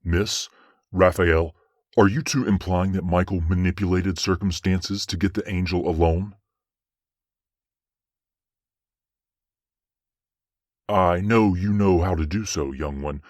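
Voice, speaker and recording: Low male voice actor as a stern, fair archangel judge, formal and measured, fantasy audio drama, close dry sound. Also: fairly even intonation, darkish tone, dry recording. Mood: measured, probing.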